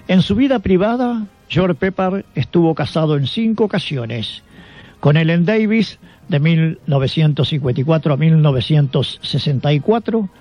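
Higher-pitched Argentine man narrating on radio. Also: expressive, normal speed, a little mellow. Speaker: radio show host. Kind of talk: scripted biographical radio narration. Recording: dull lo-fi sound with background music. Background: music.

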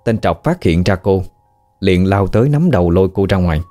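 A man with a Southern Vietnamese accent narrates a ghost story in a steady, measured way. His voice is very low and dark, with a warm, mellow tone. Faint music plays underneath. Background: faint background music.

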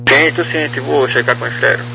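A man working as an air traffic controller, reading procedural clearances over a crackly aviation radio. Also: medium pitch, fairly even intonation, fairly quick.

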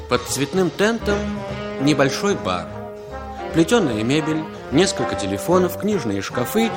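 A man narrating the stage directions of an old radio drama in a measured, expressive reading. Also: on the high side. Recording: old radio play with music behind.

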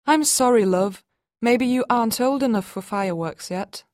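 Exasperated young mother, sharp-tongued, high and strained, read by a woman. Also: normal speed, dry recording, studio quality, lightly acted. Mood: relieved. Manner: shrill and frantic when arguing.

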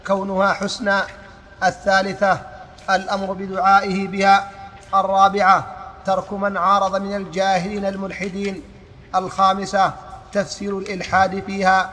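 Reader for a lesson: a high-voiced man, flat and bright, steady recitation in a reverberant hall. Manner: steady recitation with occasional restarts. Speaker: student reading a text aloud. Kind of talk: reciting a religious text in a lesson. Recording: long hall reverb with faint noise.

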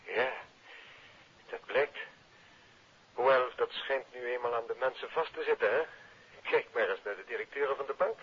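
Uneasy bank clerk, very husky, grumbling and wordy, 1950s radio drama, muffled telephone filter. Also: male voice, mid-range voice, normal speed, long pauses. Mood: startled, uneasy. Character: male bank employee, aggrieved, wordy, uneasy. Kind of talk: 1950s radio mystery serial acting. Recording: thin, narrow telephone-style old radio sound.

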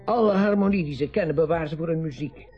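A man's voice: on the high side, fast talker, dull audio, lightly acted. A man playing an aging, grumbling, worldly party guest in a naturalistic radio drama. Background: faint music.

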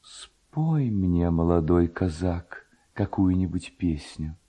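A man voicing a sorrowful young noblewoman ghost in a storybook reading, speaking in a quiet, plaintive, pleading manner. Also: low voice, expressive, takes it slowly, slightly rough, heavily acted. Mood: gently coaxing.

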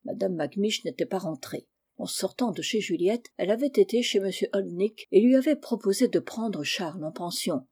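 A woman reading a classic novel aloud in calm, measured storybook narration. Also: mid-range voice, slightly rough. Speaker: audiobook reader. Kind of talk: scripted narration.

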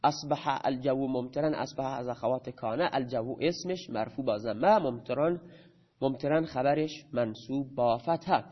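A man's voice: medium pitch, lo-fi sound. A man teaching grammar in a lecture, who asks his students questions and then answers them himself.

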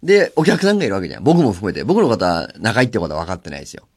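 In a radio studio, a man on his own hosts a relaxed show, using a studio mic to tell stories in a chatty, laughing manner full of lively swings. He talks rapid-fire in a lowish voice.

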